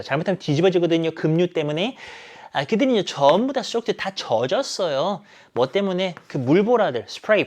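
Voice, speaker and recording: A man teaching an English exam lesson, emphatic and animated, asking questions and answering them himself. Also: a little high. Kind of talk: exam explanation lecture.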